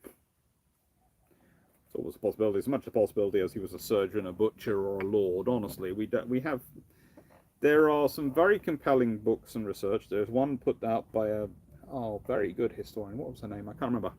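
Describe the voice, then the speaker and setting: This UK livestream host, who lectures on history, runs an informal live question-and-answer session, wandering off on tangents and starting his phrases over. He speaks a little fast in a fairly low, dark-toned voice.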